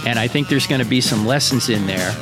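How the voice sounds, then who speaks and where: A man's voice: medium pitch, fast talker, music in the background. A man with an American accent hosting a Christian radio talk show, addressing listeners directly in an emphatic, preacherly monologue with rhetorical questions.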